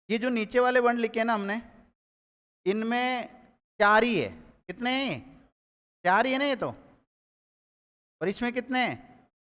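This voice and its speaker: A man's voice: high voice, fairly bright tone, clear, resonant tone, long reverb tail. A man teaching a live grammar class, drilling students with repeated questions and calling on them by name.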